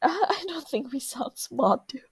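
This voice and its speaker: A woman's voice: high-pitched, animated, normal speed, slightly rough. A woman in a casual chat as a podcast co-host, speaking in a hesitant, self-effacing way.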